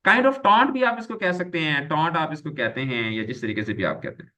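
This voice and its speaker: A man's voice: on the high side, expressive, fairly quick, sharp tone. A man teaching an online grammar lecture, explaining patiently, repeating key terms and mixing English words into his explanations.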